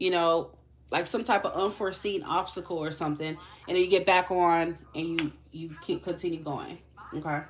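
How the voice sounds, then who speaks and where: A woman with a medium-pitched voice speaks in an American accent. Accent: slight Haitian accent at times. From Miami, Florida. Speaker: tarot reader. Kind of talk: live tarot reading. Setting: livestream. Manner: casual, conversational with many fillers.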